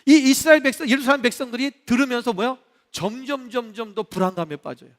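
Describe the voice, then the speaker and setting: A male pastor preaching a sermon in a church, animated, acting out the voices he quotes. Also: extremely high pitch, fast. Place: church sanctuary. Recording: long reverb of a church hall.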